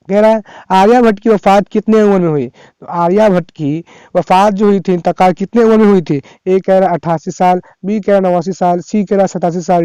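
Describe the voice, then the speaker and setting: High, smooth-voiced male teacher. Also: mellow, dry recording, lo-fi sound. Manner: reads each question twice, then prompts students to comment; chatty, coaxing. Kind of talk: exam revision lesson, reading quiz questions aloud.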